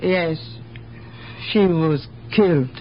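A woman's voice: fairly low pitch, extremely slow. An actress in a radio drama playing a wary, world-weary immigrant woman with hesitant, plainspoken broken English. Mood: sympathetic, resigned. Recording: muffled, noisy old radio broadcast recording.

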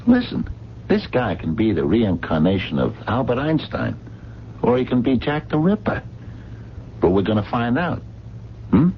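An actor with an American accent playing a gruff, skeptical, protective friend in a 1970s radio drama, blunt and exasperated. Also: male voice, medium pitch, very animated, normal speed, long pauses, a little hiss or hum, natural voice. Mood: firm, urging. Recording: dull, humming 1970s radio broadcast recording.

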